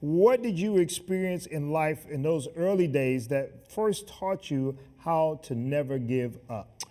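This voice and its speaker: A man hosting a Christian TV talk show, energetic and encouraging, laughing often between lines. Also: on the high side, a little slow. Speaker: TV show host. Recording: music playing behind.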